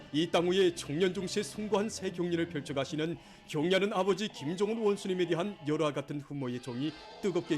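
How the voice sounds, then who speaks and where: Man, North Korean accent, fairly high voice, formal declamatory state news narration, music underneath. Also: a little mellow. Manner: solemn, fervent declamatory state-broadcast delivery. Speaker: news announcer.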